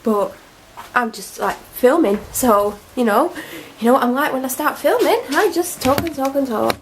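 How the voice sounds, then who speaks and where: A woman's voice: high voice, moderate pace, a little hiss or hum, low-quality recording. A young woman with a cold, chatting and rambling to camera at home in a casual vlog. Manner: rambling, self-deprecating, chatty. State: congested, snotty from a cold. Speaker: vlogger. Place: at home, indoors. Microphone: camera mic.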